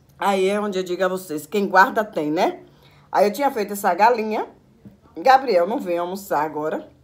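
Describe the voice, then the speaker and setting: A woman's medium-pitched voice with a Bahian accent, animated in tone, with lively intonation at a moderate pace. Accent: Bahian Brazilian Portuguese. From Bahia, Brazil. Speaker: mukbang vlogger. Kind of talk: casual vlog talk while cooking and eating. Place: home room. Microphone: phone near.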